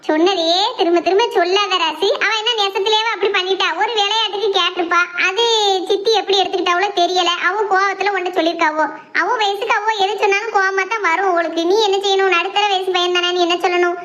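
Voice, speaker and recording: A woman's voice: extremely high pitch, fairly even intonation, fast, a bit bright, highs cut off. A woman voicing a bossy, chiding older sister-in-law who lectures the family. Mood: lecturing.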